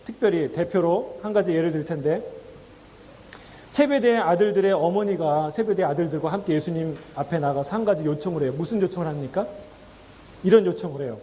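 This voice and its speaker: High-voiced man preaching in a hall. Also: fairly quick, dark tone, slight background noise. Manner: conversational, asks the congregation questions; acts out quoted voices with laughs. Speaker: pastor. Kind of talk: sermon. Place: church sanctuary.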